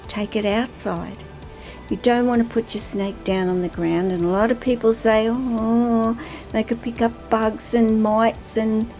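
A woman's voice: medium pitch, a little mellow. A woman vlogging casually from her snake room at home, chatty and rambling, stopping to talk to her pets, filmed on a handheld phone. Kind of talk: casual instructional vlog.

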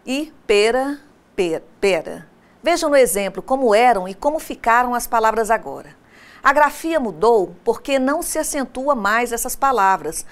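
A woman with a Brazilian Portuguese accent narrating an online lesson as a teacher, speaking directly to her students and asking them questions as she explains. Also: a little high.

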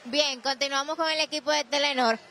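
A woman's voice: high-pitched, steady tone, brisk, gravelly, sharp tone, a little hiss or hum. A young Dominican woman reporting on site at an expo fair with a handheld mic, upbeat and promotional. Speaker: field reporter. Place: indoor expo fair hall, crowd around.

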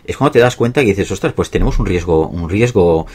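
Podcast host, man, very low husky voice, chatty. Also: lively intonation, fairly quick, darkish tone. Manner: chatty, lots of fillers and affirmations. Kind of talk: podcast interview conversation.

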